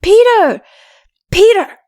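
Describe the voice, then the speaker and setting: A woman voicing a loving, excitable, pleading little boy in a dramatic audiobook. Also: very high-pitched, takes it slowly, voice pushed up, exaggerated voice. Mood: pleading, insistent.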